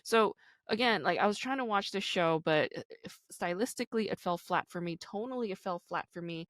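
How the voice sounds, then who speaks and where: A woman in her thirties talks candidly on her own podcast, loose and chatty, peppering her sentences with "like" and "you know". Her voice sits at a medium pitch. The recording is dry and close, with no room sound. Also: animated, fairly quick, fairly bright tone, no echo. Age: 30s. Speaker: podcast host. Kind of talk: casual solo podcast talk.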